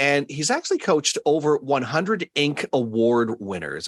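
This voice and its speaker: A man with a plain, everyday voice speaks at a moderate pace in a fairly high pitch, his intonation lively, recorded dry and close with no echo against a quiet background. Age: 50s. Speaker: podcast host. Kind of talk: interview.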